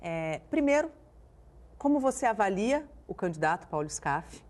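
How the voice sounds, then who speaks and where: A woman from Brazil with a mid-range voice hosts a morning news program. She asks her guest questions in a lively, conversational way. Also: mid-range voice, normal speed. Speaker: TV news presenter and interviewer.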